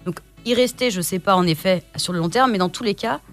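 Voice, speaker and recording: A woman's voice: medium pitch, brisk, faint music behind. A woman appearing as a guest on a radio chat, talking eagerly and emphatically with fillers. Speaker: guest entrepreneur. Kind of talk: casual radio interview.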